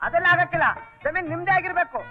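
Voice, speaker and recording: An actor playing a scheming male sidekick who talks in a quick, needling way. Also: very high voice, soft background music. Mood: pleading. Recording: dull old film soundtrack.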